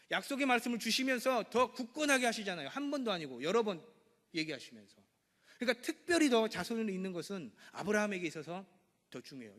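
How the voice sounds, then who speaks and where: A male pastor preaching a sermon, acting out the dialogue of his scripture passage with sudden loud bursts. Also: high voice. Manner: lively preaching, acts out God and Abraham with sudden loud bursts. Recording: church hall with long reverb.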